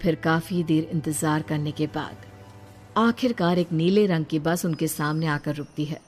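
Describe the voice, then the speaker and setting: A woman narrates a cartoon horror tale in a brisk, blunt manner with a somewhat low voice. Light music plays faintly beneath her. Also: a little mellow. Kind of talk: scripted cartoon story narration.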